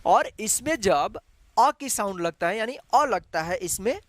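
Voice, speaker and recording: A man's voice: high-pitched, animated, unhurried, dry recording. A man teaching an online Hindi lesson, patient and repetitive, often leaning on the same small filler phrase. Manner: patient, repeats each letter several times; habitual filler "jo hai". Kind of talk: slow online language lesson.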